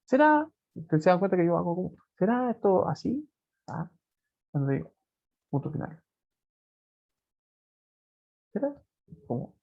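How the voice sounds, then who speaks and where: A male teacher gives an online lecture in a somewhat high, gravelly voice. He explains patiently and keeps checking that his students follow. The sound is dull and lo-fi, as from a video call. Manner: explanatory, constantly checks in with "¿cierto?". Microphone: computer mic on a video call.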